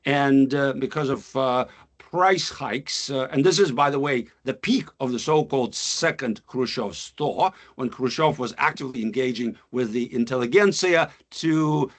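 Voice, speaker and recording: A man, a poet and scholar whose first language is Russian, reads his own poem solemnly and then lectures with many pauses on a video call. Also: mid-range voice. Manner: measured, solemn recitation with long pauses; thoughtful academic talk with many filler uhs. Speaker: guest speaker, poet and scholar.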